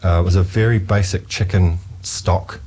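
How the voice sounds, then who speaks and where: A man recounting a food trip in a relaxed, animated storytelling way. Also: low voice, normal speed. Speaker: guest. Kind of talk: storytelling chat.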